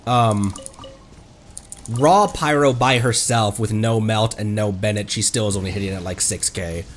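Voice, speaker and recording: A man chatting casually on a live game stream, playful and quick to react excitedly. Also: fairly low pitch, slight background noise. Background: video game music.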